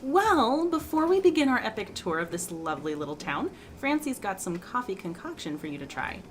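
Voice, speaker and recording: A woman's voice: mid-range voice, big pitch swings, brisk, a little hiss or hum, natural voice. A woman playing a friendly, teasing small-town local in casual audio drama dialogue, breezy and playful. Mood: cheerful.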